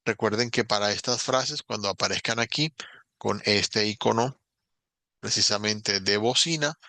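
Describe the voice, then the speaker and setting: A man teaching a recorded lesson, explaining rules calmly in short phrases with pauses. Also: fairly low pitch, dry recording. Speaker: English teacher.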